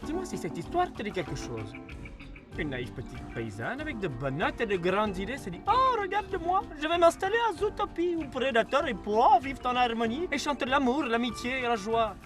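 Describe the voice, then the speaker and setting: A man's voice: very high voice, big pitch swings, normal speed, music in the background. A man voicing a sly, mocking fox street hustler in a cartoon dub, smug and theatrical, with an Italian accent.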